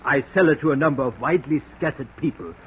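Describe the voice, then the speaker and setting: An actor playing a fussy, scolding jeweler in an old-time radio drama. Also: male voice, mid-range voice, fast, lightly acted, low-quality recording. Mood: smoothly protesting. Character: fussy, scolding male jeweler, secretly shady. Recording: old radio recording, steady hiss.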